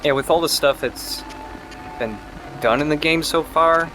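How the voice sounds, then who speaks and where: A man's voice: fairly high pitch, unhurried, rough recording. A man co-commentating on a video game in casual, informal chat, thinking aloud. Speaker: guest co-commentator. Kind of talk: casual let's play chat. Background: video game music.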